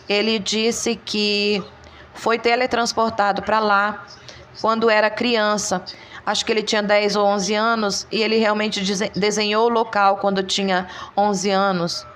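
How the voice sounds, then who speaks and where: A woman reads a translated voice-over in a calm, steady way. Her pitch barely moves and sits in a middle range. There is a faint hiss of background noise behind her.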